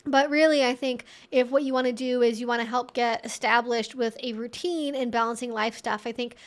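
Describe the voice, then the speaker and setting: High-voiced woman giving chatty advice. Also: steady tone, a little fast. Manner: chatty and informal, rambling with frequent asides. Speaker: livestream host and relationship educator answering viewer questions. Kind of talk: casual, conversational Q&A advice.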